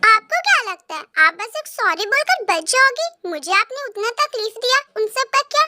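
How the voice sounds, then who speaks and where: A woman's voice: extremely high pitch, very animated, moderate pace, sharp tone, dry recording, heavily acted. A woman voicing a firm, possessive young man in a fan dub, mock-stern and teasing. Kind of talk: Hindi fan dub acting.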